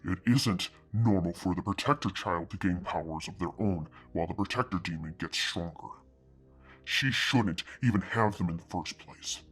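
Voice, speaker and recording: A man reading a story aloud and voicing a smug, cruel male devil who mocks and threatens in a husky, sneering drawl. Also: low-pitched, normal speed, soft background music. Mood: menacing. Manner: mocking drawl that turns to quiet threats.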